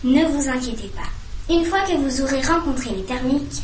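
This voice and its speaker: A woman's voice: high voice, animated, normal speed. A woman voicing a firm but kindly old male owl teacher in a storybook reading, giving encouraging instructions. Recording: roomy echo, distant mic, faint hum.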